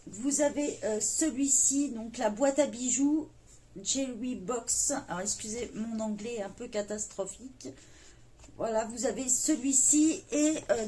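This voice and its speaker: A woman from France hosts her coloring channel, speaking to her viewers in a gentle, earnest tone. She often stops to search for words and fills the gaps with little hesitations. Her voice sits a touch higher than most. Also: slight background noise. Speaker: YouTube coloring channel host. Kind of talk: casual video address to viewers.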